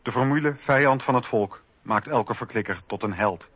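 A man's voice: medium pitch, normal speed, husky, dry recording. A man narrating a scripted historical documentary drama for radio. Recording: dry, slightly dull radio recording.

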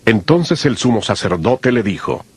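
A man's voice: on the low side, big pitch swings, normal speed, husky. A man narrating scripture from a script in a solemn style, as part of a dramatized audio Bible. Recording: music behind the voice.

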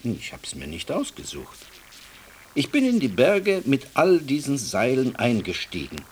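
An actor in a radio play voicing a devout, impassioned Jewish man who speaks haltingly, at times dropping to a whisper. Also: mid-range voice, wildly swooping pitch, slight background noise. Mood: awed, resolute.

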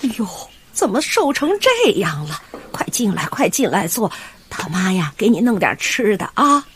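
A woman's voice: mid-range voice, sing-song, normal speed, a little hiss or hum, lightly acted. An actress playing a chatty, doting old grandmother with a Beijing accent in a radio drama over background music. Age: older.

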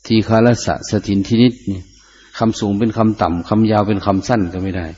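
An older man, a monk who teaches by chanting Pali lines and explaining them in plain speech. His voice is dark and mellow, caught on a muffled, lo-fi recording. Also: on the low side, fairly even intonation, brisk, breathy edge.

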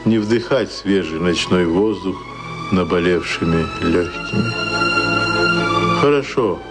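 A man narrating a literary radio drama in a solemn, deliberate, dramatic style. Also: sits low, huge pitch swings, exaggerated voice. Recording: prominent music under the voice.

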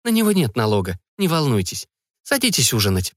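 A man voicing a calm young woman who speaks softly, confidently and reasonably. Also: mid-range voice, brisk, no echo, studio quality.

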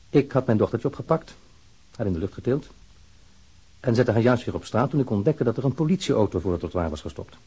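A man's voice: on the low side, creaky, mellow, slightly rough, exaggerated voice, poor audio. An actor playing an aggrieved young father who gives a careful, formal account in a written complaint. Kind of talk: dramatized reading of a complaint letter.

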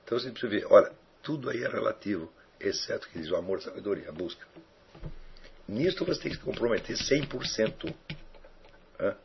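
A man's voice: on the low side, lively intonation, brisk, vocal fry, pauses often, a little hiss or hum. A man, a philosophy teacher answering student questions in a rambling, reflective way with frequent tag questions. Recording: dull lo-fi recording.

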